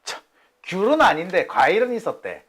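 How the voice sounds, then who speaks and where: A man hosting a casual commentary show, retelling courtroom testimony in an animated, colloquial way with exasperated asides and acted-out quotes. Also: sits high, moderate pace, breathy edge. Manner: animated storytelling, acting out quoted exchanges. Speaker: host.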